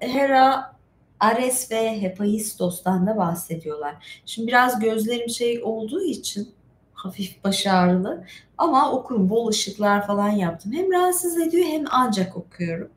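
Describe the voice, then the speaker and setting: A middle-aged woman hosts a casual storytelling stream, reading and retelling myths in a chatty, wandering style full of asides. Her voice sits fairly high and sounds animated, with a slightly slow pace. The room is echoey, with faint background noise.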